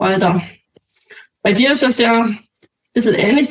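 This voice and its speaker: The woman's fairly high voice moves along at a moderate pace. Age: 40s. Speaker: business owner, podcast co-host. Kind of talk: casual podcast conversation.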